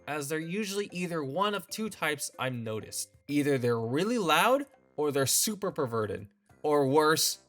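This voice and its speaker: Lively, wry male commentary host. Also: on the high side. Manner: opinionated, wry and sarcastic. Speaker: video essay host. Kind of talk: scripted commentary.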